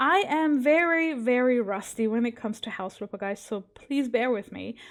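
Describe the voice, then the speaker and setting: Over music in the background, a woman with a strong German accent speaks at a fairly slow pace. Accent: German accent, self-described as strong. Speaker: gaming YouTuber. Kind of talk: gameplay commentary. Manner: halting, with fillers.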